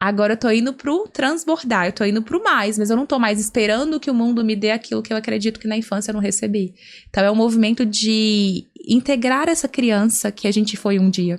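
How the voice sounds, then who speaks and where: A woman's fairly high voice with ordinary pitch variation, at a fairly quick pace. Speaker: human development and sales specialist. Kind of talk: podcast interview. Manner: fast.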